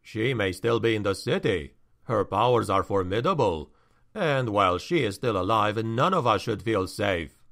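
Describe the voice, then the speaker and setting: A man reading a story aloud, voicing a stern male counselor who speaks in a low, steady, measured way. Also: gravelly.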